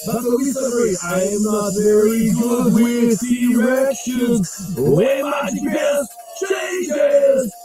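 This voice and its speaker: A man playing a sick, lonely trucker streamer who coughs and begs for donations, with a hoarse, scratchy throat and a self-pitying manner. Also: very high-pitched, expressive, slow, loud music behind the voice, full character voice. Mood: droning song. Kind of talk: comic parody clip.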